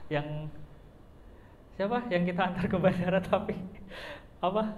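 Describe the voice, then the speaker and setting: A young man preaches in a loose, conversational way, tossing out rhetorical questions and filler words as he goes. His voice sits fairly high. The sound carries the ring of a reverberant church hall. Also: a little slow, phone-quality sound. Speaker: pastor. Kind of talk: sermon.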